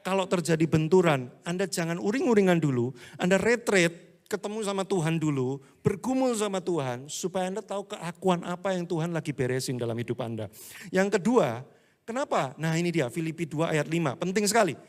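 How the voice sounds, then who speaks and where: A man preaching a casual, humorous sermon, acting out church members and swinging between loud and hushed delivery. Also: high voice, animated, a little fast. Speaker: pastor.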